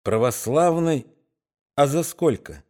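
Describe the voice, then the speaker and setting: A man's voice: medium pitch, slow pace. A man reading a story aloud, voicing a defiant tavern fiddler who speaks dryly and with authority. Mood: calm. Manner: calm and dry, then commanding. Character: wiry male tavern fiddler, wry and defiant.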